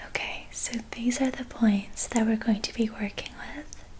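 A woman is talking. There is light background noise. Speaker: wellness guide. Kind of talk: guided tutorial. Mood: warm, gentle, encouraging. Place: home room.

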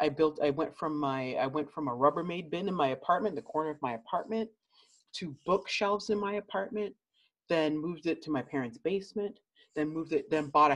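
Against a quiet background, a woman with a very deep, low pitch talks at a fairly quick pace with ordinary variation in pitch. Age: 40s. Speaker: entrepreneur and business coach; interview guest. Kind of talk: interview. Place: home room. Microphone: video call.

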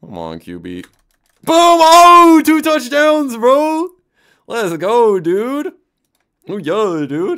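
A man's raised, projected voice at an extremely high pitch, very slow with long, frequent pauses and very wide pitch swings, on a very clean recording with a silent background. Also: big swings in loudness. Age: 20s. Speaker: gaming streamer. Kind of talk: live gameplay commentary. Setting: live stream with chat. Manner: animated.

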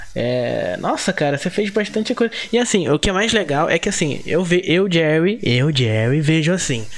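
A man speaks at a moderate pace with hardly any pauses. His pitch is high and swings very widely. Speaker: podcast host. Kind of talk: casual interview chat. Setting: video call.

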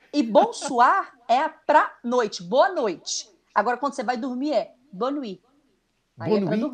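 In a Minas Gerais accent, a woman speaks at a moderate pace and a high pitch, with very wide pitch swings and long, frequent pauses. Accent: Minas Gerais (mineiro). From Belo Horizonte, Minas Gerais, Brazil. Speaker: samba singer and songwriter; remote guest. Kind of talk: casual talk show interview. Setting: remote video link. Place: home room. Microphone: video call.

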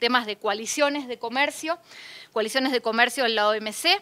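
A woman speaks in a raised, projected voice with a high pitch. Her tone is bright and sharp, and her pace is moderate. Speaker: panel moderator and academic. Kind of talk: panel discussion, moderating. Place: meeting room. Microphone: podium.

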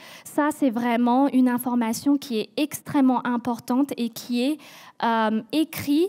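Against a quiet background, a woman speaks fairly slowly at a high pitch with ordinary pitch variation. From France (Paris), Sri Lankan parents. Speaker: health services manager; presenter. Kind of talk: presentation. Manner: hesitant, many fillers. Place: hall.

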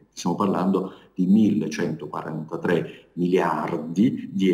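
A man speaks in a very deep, low voice, with audible room echo around him. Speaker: politician guest. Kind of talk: interview answer. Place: home room. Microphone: video call.

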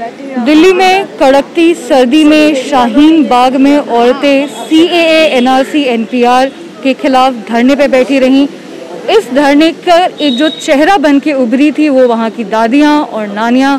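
A woman speaks at a high pitch and a very slow pace, with ordinary pitch variation. The sound is dry with no echo, and light background noise. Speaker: news reporter. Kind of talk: news report introduction. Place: garden. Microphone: handheld.

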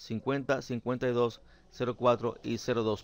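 A man's medium-pitched voice, very cleanly recorded against a silent background. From Dominican Republic.

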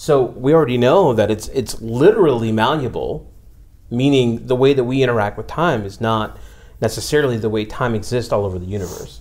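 Delivered at a fairly quick pace, a plain, everyday voice comes with an American accent. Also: man, medium pitch for a man, ordinary pitch variation. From Pittsburgh, US. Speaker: entrepreneur and military veteran. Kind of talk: casual interview chat. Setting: in-person recording.

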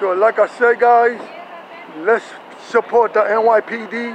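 At a very slow pace, a man speaks in a high pitch, with a dry sound, no echo, and light background noise. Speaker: street vlogger. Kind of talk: casual vlog commentary. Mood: earnest, opinionated. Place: street. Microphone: phone near.

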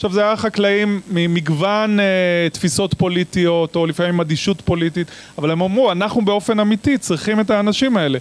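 A man with a high pitch and ordinary pitch variation speaks with very even loudness and hardly any pauses. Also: moderate pace. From Israel. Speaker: activist. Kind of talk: speech. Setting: stage with audience. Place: hall. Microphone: handheld.

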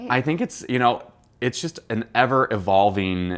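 The background is quiet. Over it, a man talks. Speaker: guest. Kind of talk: interview answer. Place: kitchen. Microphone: lapel.

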